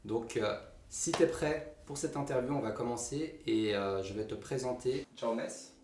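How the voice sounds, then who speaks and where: A man's voice: medium pitch, unhurried, a little mellow, far from the mic. A man hosting a casual interview, friendly and hesitant, with frequent fillers. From Moroccan heritage. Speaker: interviewer, channel host. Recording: roomy, off-mic, light hiss.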